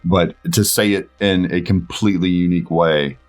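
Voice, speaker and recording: A man talking casually as an interview guest, thinking aloud in short, halting phrases. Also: low-pitched, fairly even intonation. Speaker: voice actor and director, interview guest. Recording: music behind the voice. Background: background music.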